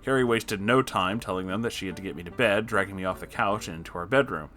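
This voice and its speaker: A man reading a story aloud as host and reacting to it, with an expressive, exasperated and sarcastic manner. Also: deep voice, fast, faint music behind. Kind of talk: story narration with reaction commentary.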